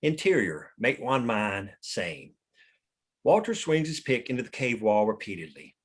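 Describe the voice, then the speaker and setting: A man's voice: on the low side, very animated, a little slow, husky. A man narrating stage directions at a scripted table read.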